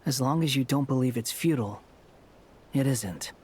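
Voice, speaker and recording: A man's voice: medium pitch, normal speed, a little mellow, breathy edge, lightly acted. An actor voicing a blunt, skeptical male companion in a game, challenging and direct. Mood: stern.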